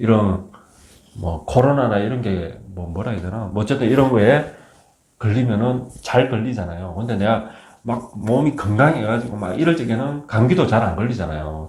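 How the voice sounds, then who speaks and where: A man with a fairly low, somewhat breathy voice speaks at a moderate pace with lively intonation. Audible room echo surrounds him. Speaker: saju fortune-telling teacher. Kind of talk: lecture. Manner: casual, many fillers.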